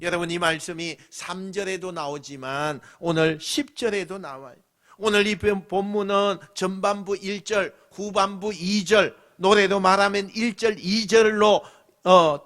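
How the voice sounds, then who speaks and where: A man with a Busan accent preaching a sermon as pastor, dramatic, swinging from loud lines to whispers and acting out mocking voices. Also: sits high. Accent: Busan Gyeongsang dialect. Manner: acts out mocking voices of scoffers.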